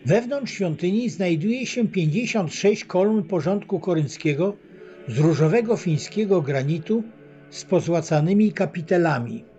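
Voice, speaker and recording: A man giving a scripted travel narration as a voice-over, reading facts and figures in a measured, even way. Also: sits high. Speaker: documentary narrator. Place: voice-over, not recorded at the pictured site. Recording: dull lo-fi voice-over with faint choir music.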